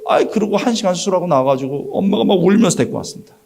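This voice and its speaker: A pastor in his sixties preaches to an evening congregation. His voice sits high for a man and has a gravelly edge. He rises and falls a lot in pitch as he tells his stories and acts out the people in them. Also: animated, racing, a little mellow. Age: 60s. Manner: storytelling, acting out quoted dialogue. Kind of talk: sermon. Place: church evening service.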